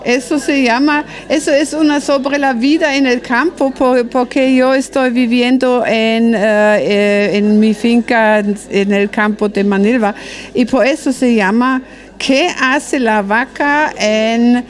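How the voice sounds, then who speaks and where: German-accented woman, slow and halting. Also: on the high side, steady tone. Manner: halting, searching for words, frequent restarts. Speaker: author. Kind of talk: interview at a book presentation. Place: busy restaurant dining room, indoors. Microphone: handheld interview mic.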